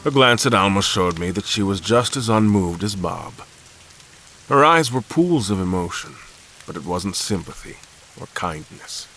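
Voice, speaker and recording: An actor playing a weary, defiant space admiral held prisoner, intense and suspicious, narrating and speaking in an audio drama. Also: male voice, fairly low pitch, expressive, a little slow, fairly bright tone, a little hiss or hum, low-quality recording. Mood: tense, brooding. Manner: intense, accusatory. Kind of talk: audio drama first-person narration and dialogue.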